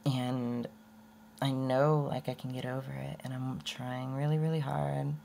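A young woman rambling candidly in a casual unedited vlog, her voice prone to going hoarse. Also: a bass voice, little pitch movement, unhurried, dark tone, a little hiss or hum. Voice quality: voice often goes hoarse. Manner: rambling and candid, with many restarts and laughs. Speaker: vlogger.

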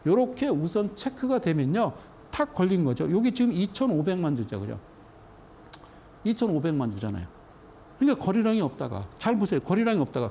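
A man's voice: high voice, dark tone, a little hiss or hum. A middle-aged man giving a stock chart lecture, emphatic, often checking in with his viewers. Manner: emphatic, keeps checking in with the audience. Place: studio.

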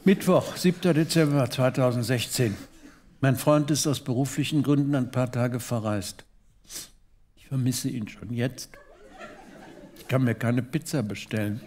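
A man's voice: medium pitch, a little slow, pauses often, a little mellow. Man reading comic diary entries aloud. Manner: chatty with fillers when speaking freely, dry comic timing when reading. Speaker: co-host reading comic literature.

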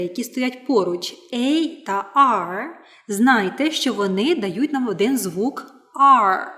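A woman teaching an online English lesson, explaining pronunciation patiently and repeating each word slowly for learners. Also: mid-range voice, a bit bright.

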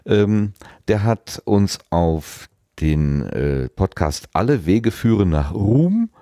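A man's voice: sits low, big pitch swings, slow pace, dark tone, no room sound, studio quality. A man hosting a podcast in a casual, conversational way, with hesitant, self-correcting phrasing. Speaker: podcast host.

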